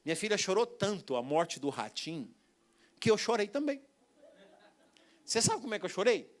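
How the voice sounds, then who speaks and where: A man's voice: high voice, sing-song, moderate pace. A man with a Brazilian Portuguese accent preaching a sermon, telling a story with quoted voices and bursts of laughter.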